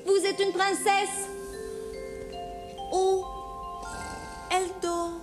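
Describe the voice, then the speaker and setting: A woman playing a theatrical queen mother in a children's fairy tale, with exclamatory, drawn-out delivery. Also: extremely high pitch, level tone, heavily acted. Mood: amazed. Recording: loud music behind the voice.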